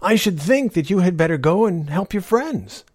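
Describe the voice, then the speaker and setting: A man's voice: high-pitched, animated, moderate pace, darkish tone, breathy edge, no echo, clean studio sound, voice pushed up. A man voicing a sly old beggar woman who taunts and needles a knight in a storybook reading. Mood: taunting.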